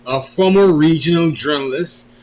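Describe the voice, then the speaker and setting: A man's voice: a little high, moderate pace, darkish tone, poor audio. A man hosting a conversational interview, speaking emphatically as he introduces and questions his guest. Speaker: interviewer, host.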